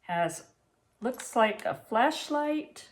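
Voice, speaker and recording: A woman's voice: fairly high pitch, expressive, extremely slow. A woman in her sixties talking casually to camera in a home kitchen, plain-spoken and practical, as a vlogger giving advice and reviews. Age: 60s. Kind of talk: casual talk to camera about preparedness and a product review.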